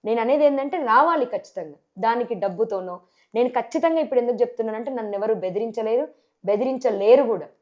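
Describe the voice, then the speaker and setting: A woman with a Telangana Telugu accent, a sarpanch candidate answering in a TV interview, forceful and full of rhetorical questions. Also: a little high, lively intonation, quick pace.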